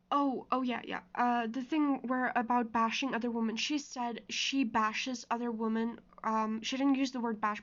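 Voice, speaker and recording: A woman giving informal, rambling, explanatory commentary as a video creator, moving between chatting and reading comments aloud. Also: a little high. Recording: dull lo-fi microphone sound.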